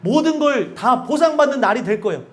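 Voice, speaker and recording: A male pastor preaching a sermon in a church, animated, asking the congregation questions and laughing between points. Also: very high-pitched, a little fast. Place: church sanctuary.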